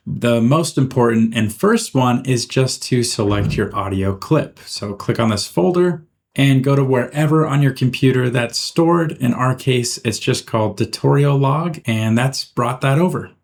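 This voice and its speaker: A man narrating a software tutorial in an informal, step-by-step way, as the host. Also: medium pitch, measured pace. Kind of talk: casual screen-recorded software tutorial narration.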